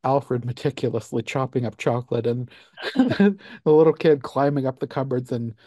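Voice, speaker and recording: A man talks through a film in a relaxed podcast chat, breaking into laughter as he recaps. His voice is warm and low in brightness. It is recorded dry and close, with no room sound. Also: moderate pace, no echo. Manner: laughs often while recapping. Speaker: podcast host. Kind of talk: casual film review chat.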